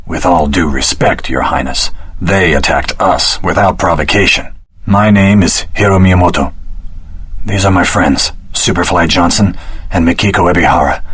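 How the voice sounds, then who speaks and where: A man playing an earnest, determined swordsman hero in a video game, speaking in a measured, serious way with a husky voice. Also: sits low, fairly bright tone, exaggerated voice. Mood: polite, composed. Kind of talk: video game voice acting, cutscene dialogue.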